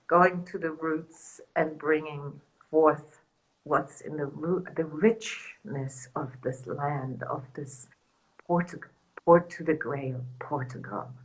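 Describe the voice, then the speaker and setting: A woman from Germany speaks in a low, unhurried voice. She shares as a spiritual teacher in a soft, earnest way, with light laughs between thoughts. Her English is careful and reflective. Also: rough recording. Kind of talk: reflective talk in a panel conversation.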